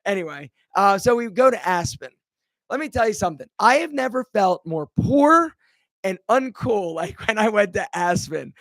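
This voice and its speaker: At a moderate pace, a cheerful man from Philadelphia hosts a casual live Q&A stream, greeting viewers by name and wandering into side stories in a chatty, energetic way. His fairly high voice is a bit rough from allergies, and he sits close to the mic in a dead room with no room sound at all.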